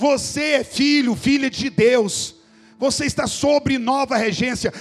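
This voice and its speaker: At a fairly slow pace, a man talks with an extremely high pitch and ordinary pitch variation. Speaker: preacher. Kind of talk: sermon. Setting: church. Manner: animated; humorous, conversational.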